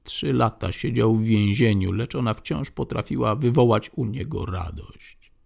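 Man, audiobook narration, measured, low voice, very slow. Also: gravelly, a little mellow. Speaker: audiobook reader.

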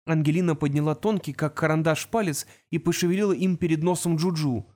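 A woman narrating an audiobook with an even, storytelling delivery. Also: deep voice, fairly quick. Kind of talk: scripted narration.

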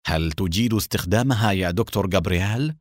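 A man reading a calm young police captain. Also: sits low, quick pace, dry recording, studio quality. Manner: calm, direct questioning.

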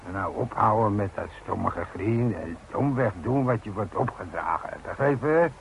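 A man playing a gruff, commanding work boss in a Dutch radio drama, blunt and impatient with backtalk. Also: fairly low pitch, moderate pace, a little hiss or hum, rough recording. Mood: stern. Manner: blunt, authoritative.

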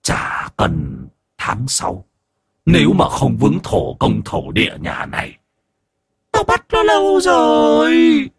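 A man voicing the vengeful ghost of a boy who died at eight, in a thin wailing voice with drawn-out, pleading and menacing lines. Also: fairly high pitch, huge pitch swings, gravelly, breathy edge, no room sound, studio quality, pitched above the performer's own voice, full character voice.

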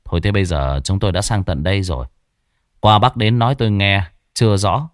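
A man voicing a calm young village exorcist who speaks in a low, matter-of-fact way. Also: a little fast, no room sound, clean studio sound, lightly acted.

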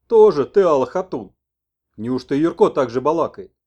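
A man's voice: on the high side, big pitch swings, normal speed, warm tone. A man voicing a talkative old village grandfather with a folksy, colloquial manner.

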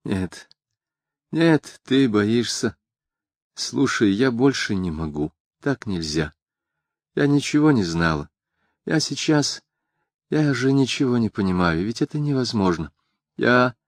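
A man's voice: medium pitch, sing-song, slow, pauses often, no room sound, studio quality. A man voicing a desperate young woman. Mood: pleading. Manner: pleading, breaking into cries.

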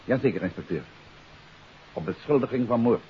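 An actor playing a composed, astute amateur detective in a 1950s radio drama, speaking in a measured, confident, matter-of-fact way. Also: male voice, medium pitch, expressive, close to an everyday voice. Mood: businesslike. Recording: dull, hissy 1950s radio recording.

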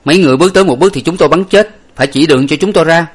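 A man's voice: medium pitch, lively intonation, a little fast, pitched above the performer's own voice, lightly acted. A man voicing a bold young hero who barks orders in battle. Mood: commanding. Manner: shouting orders, forceful. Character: bold young male hero, commanding swordsman.

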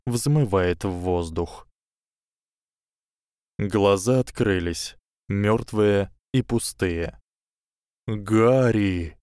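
Slow measured male audiobook narrator. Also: fairly low pitch, smooth, no room sound, studio quality. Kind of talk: scripted narration.

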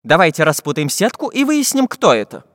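A man's voice: on the high side, wildly swooping pitch, fairly quick, a bit bright, dry recording, studio quality, in a large hall, pitched above the performer's own voice. A man doing a puffing iron handyman. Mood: earnest. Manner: earnest, puffing. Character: practical iron little handyman.

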